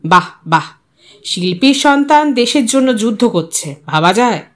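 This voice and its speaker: A woman's voice: on the high side, expressive, unhurried. A woman voicing a middle-aged male politician, self-important and unctuous, speaking with authority and dropping in English words. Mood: unctuous sympathy.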